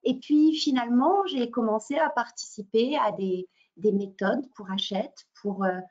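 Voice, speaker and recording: A middle-aged woman from France presents a language-teaching webinar over a video call. Her voice sits a touch high, and she hesitates often, filling pauses and restarting phrases. The sound is dull and lo-fi, like a laptop microphone. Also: a little mellow. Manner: hesitant, many fillers and restarts. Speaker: French teacher and trainer. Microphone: computer mic on a video call. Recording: muffled lo-fi webinar audio.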